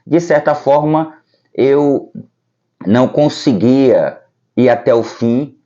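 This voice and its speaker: A Brazilian man, a Catholic priest, telling his vocation story to camera in a calm, earnest, measured way. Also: medium pitch. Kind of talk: personal vocation testimony to camera. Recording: dull lo-fi recording.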